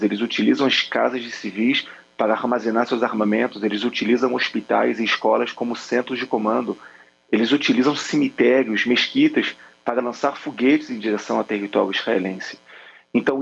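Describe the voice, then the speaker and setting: A man in his forties with a Rio de Janeiro Brazilian Portuguese accent, speaking as a military spokesman giving earnest answers in a remote video-call interview. His mid-range voice is creaky and slightly rough, he hesitates with frequent fillers, and the sound is lo-fi.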